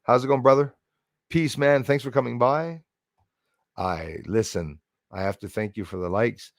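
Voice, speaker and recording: A man's voice: medium pitch, moderate pace, no echo, studio quality. A man hosting a livestream, talking in a rambling, chummy, conversational way to his viewers. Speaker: livestream host greeting viewers in chat. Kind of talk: casual livestream chat.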